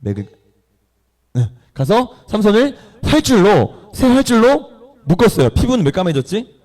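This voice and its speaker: A man's voice: high voice, big pitch swings, normal speed, darkish tone. A man preaching a sermon in church, retelling a story with playful questions to the congregation and acted-out voices. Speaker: pastor.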